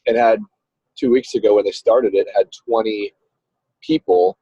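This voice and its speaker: A man who works as a ministry coach talks casually over a car speakerphone while driving, explaining things in a rambling way with many restarts. His voice is lowish, steady, mellow and slightly rough at a normal speed, with no echo. The audio comes through a phone on a video call and sounds dull and lo-fi.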